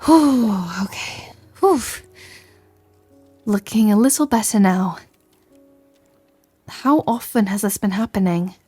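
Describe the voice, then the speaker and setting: A woman's voice: mid-range voice, slow, pauses often, warm tone, breathy edge, soft background music. Articulate, caring woman wizard played by an actress. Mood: concerned, urgent, then gently reassuring. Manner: articulate, bookish, reassuring. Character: capable, caring scholarly female wizard shopkeeper. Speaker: audio roleplay performer. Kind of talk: ASMR fantasy roleplay acting, addressing the listener.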